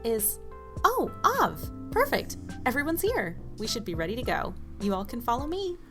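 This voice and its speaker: Very animated, bustling woman. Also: fairly high pitch, normal speed, music in the background. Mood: eager. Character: upbeat, bustling woman organizer hosting a gathering. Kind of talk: audio drama acting.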